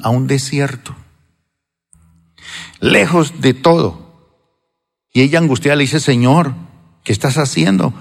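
Gravelly-voiced male pastor preaching in a hall. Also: medium pitch. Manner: retells a story with quoted dialogue, rising emphatic and slowing to a drawn-out hush. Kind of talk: sermon. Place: church sanctuary.

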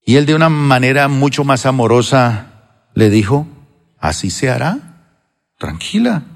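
A man preaching a sermon as pastor, retelling a story with quoted dialogue, rising emphatic and slowing to a hushed drawl. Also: mid-range voice, long reverb tail. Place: church sanctuary.

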